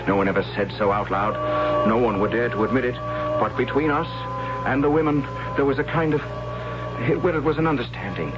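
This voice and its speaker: An actor playing an anxious, reluctant young tribal warrior who tells his own story in a dramatic 1970s radio drama style, measured with hesitant asides. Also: medium pitch, lightly acted. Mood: worried. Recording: dull 1970s radio recording, loud music.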